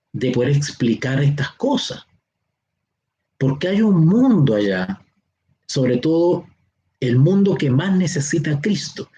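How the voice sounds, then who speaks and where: A man with a Chilean accent teaching a Bible seminar online. He explains slowly, stretches key words and keeps checking that his listeners follow. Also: fairly high pitch, dark tone. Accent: Chilean Spanish. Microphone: online class or teleconference.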